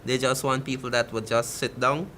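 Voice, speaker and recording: A man with a Guyanese accent argues his case with conviction. His voice is bright and forward, with a faint hum behind it. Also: medium pitch, level tone, moderate pace. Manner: emphatic, passionate. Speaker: fishermen's representative for the region. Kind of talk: talk show guest.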